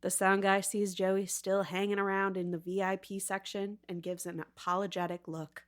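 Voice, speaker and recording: A woman's voice: mid-range voice, level tone, moderate pace. A woman narrating a comic audio drama in a playful, mock-dramatic way. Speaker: podcast host and narrator. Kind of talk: scripted storybook narration.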